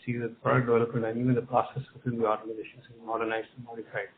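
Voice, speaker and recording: A man's voice: medium pitch, monotone, rapid-fire. A man with an Indian accent, a company executive giving unscripted answers on an investor call, often repeating and rephrasing his phrases. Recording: narrow phone line, clear background noise.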